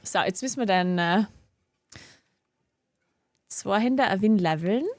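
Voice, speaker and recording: A young woman with a regional German dialect streams a game from her home office, chatting casually and giggling a lot. Her voice is medium in pitch and a little slow, captured in a dry recording.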